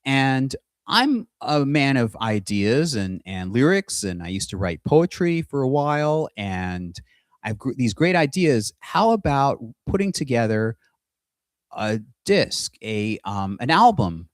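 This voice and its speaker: Middle-aged man, unhurried and hesitant, casual solo video talk, close and dry sound. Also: mid-range voice, very animated, dry recording. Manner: halting, with many restarts and pauses. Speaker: aspiring singer and video host. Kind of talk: casual monologue to camera. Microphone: computer mic with screen sharing.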